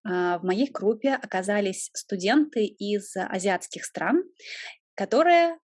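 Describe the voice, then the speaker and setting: A young woman talks through her ideas on teaching, steady and explanatory, filling pauses with soft hesitations. Her voice sits at an ordinary middle pitch. The recording is dry and close, with no room sound. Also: no echo. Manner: thoughtful, explanatory, with frequent hesitations. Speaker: guest, Russian teacher. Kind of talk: conversational interview.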